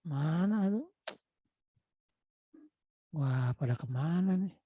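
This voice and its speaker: A lecturer with a Sundanese-tinged Indonesian accent teaches an online class, coaxing his students and calling out to them again and again. His voice is a little high and slightly rough, with lively intonation and a slow pace. The video call audio is dull and lo-fi, with no echo.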